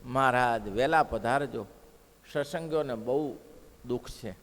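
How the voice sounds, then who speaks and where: A man voicing a grieving devout village woman who pleads softly, within a sermon story. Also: mid-range voice, fairly quick, pitched below the performer's own voice, natural voice. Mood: pleading. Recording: long hall reverb.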